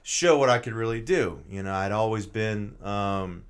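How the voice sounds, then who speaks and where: A man's voice: lowish voice, moderate pace, smooth. A young man from Georgia in the US, an actor and filmmaker guest, talking through his story in a loose, rambling way with plenty of fillers. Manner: rambling, lots of fillers, laughs easily. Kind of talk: casual interview chat.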